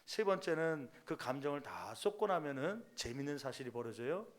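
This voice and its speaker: A middle-aged male pastor preaching a sermon, emphatic and rising to loud peaks, acting out parents and children in quoted voices. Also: on the high side, sing-song, moderate pace.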